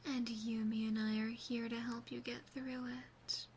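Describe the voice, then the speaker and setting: A woman voicing an obsessive, doting demon sister in an ASMR roleplay, speaking softly and close with breathy whispering. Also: fairly high pitch, little pitch movement, unhurried, slight background noise. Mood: gently reassuring. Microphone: close binaural microphone.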